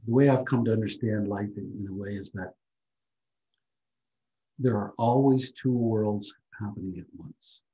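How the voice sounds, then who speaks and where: An older man giving a reflective talk on a video call, speaking softly and gently. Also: fairly low pitch, highs cut off. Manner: soft-spoken, slow and gentle. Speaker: guest speaker.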